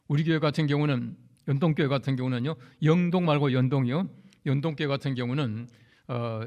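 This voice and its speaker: A man preaching a conversational sermon as a pastor, telling anecdotes and speaking directly to the congregation. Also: a little high. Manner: recounts anecdotes with acted quotes. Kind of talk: storytelling sermon.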